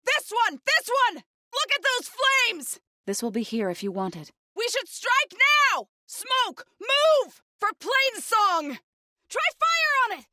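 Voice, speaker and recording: A woman's voice: very high voice, huge pitch swings, slow, pushed and bright, no echo, studio quality, full character voice. An actress playing an earnest female tribal warrior companion, delivering short, emphatic battle lines for a video game. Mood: calm, supportive.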